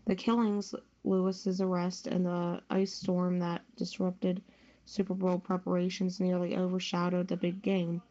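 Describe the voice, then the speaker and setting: A woman's voice: lowish voice, completely flat delivery, a little slow, warm tone. A woman presenting sports news on a podcast, reading from a script. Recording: dull lo-fi audio.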